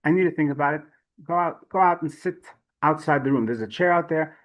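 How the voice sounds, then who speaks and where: A man playing a wise, calm old Hasidic rebbe in a story he tells during a lesson. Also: on the high side, brisk, natural voice.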